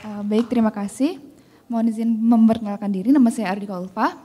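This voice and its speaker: A woman's voice: on the high side, fast talker, mellow, big-room sound, a little hiss or hum. A woman, a university lecturer, introducing herself and asking a question modestly, with hesitations. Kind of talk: formal question.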